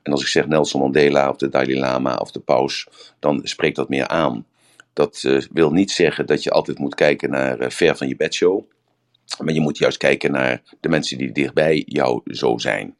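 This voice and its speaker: Older male group leader, voice extremely low, rambling and anecdotal delivery. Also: fairly even intonation, moderate pace. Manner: rambling, searching for words, with anecdotes. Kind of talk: casual talk.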